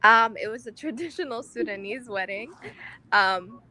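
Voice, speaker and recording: Bright-voiced woman chatting casually. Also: on the high side, animated, moderate pace, poor audio. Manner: chatty and self-correcting, with "um"s and restarts. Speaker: panel guest. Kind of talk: casual conversational answer.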